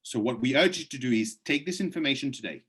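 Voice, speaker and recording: A man with a voice worn hoarse from many presentations hosts a video call and speaks through a computer mic. He urges his listeners persuasively and reads their chat questions aloud before answering them one by one. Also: mid-range voice, expressive, fast talker, fairly bright tone. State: losing his voice.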